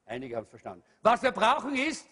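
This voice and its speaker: A man preaching a sermon to a congregation, emphatic, rising to shouts and dropping low, addressing the listeners directly. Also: wildly swooping pitch, fast, breathy edge. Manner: emphatic preaching, calls out to the congregation, swings loud and soft. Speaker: pastor. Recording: long hall reverb.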